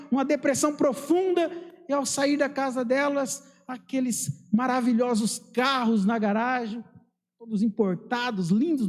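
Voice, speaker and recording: A man's voice: very high-pitched, long reverb tail. A man with a Brazilian Portuguese accent preaching a fervent, emphatic sermon full of rhetorical questions. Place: church.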